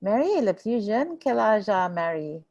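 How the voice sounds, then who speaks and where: A woman's voice: mid-range voice, big pitch swings, a little slow, darkish tone, lo-fi sound. A woman teaching an online French class over a video call, mixing French and English as she encourages her students.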